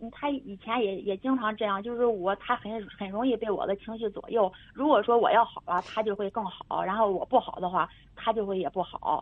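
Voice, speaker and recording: A woman talks at a fairly quick pace. Her fairly high pitch shows ordinary variation. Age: 40s. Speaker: caller. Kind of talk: call-in. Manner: halting.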